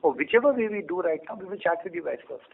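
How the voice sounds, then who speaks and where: A man's voice: sits high, lively intonation, fast, gravelly. An Indian man, a company executive, explains business decisions to analysts with an Indian accent and emphatic rhetorical questions. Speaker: company executive on an earnings call. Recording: phone-like conference call audio.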